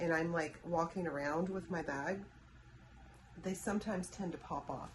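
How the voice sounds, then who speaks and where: A woman is speaking. Her voice sits at a fairly low pitch. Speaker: yarn dyer and knitting podcaster. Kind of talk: casual vlog chat.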